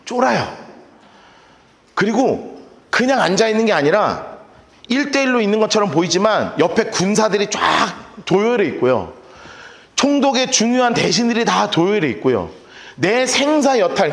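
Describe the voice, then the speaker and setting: A male pastor teaching a Bible-study sermon in a church, lively, asking his listeners questions and acting out scenes. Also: high voice, echoey room. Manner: animated, asks the audience questions and acts out scenes.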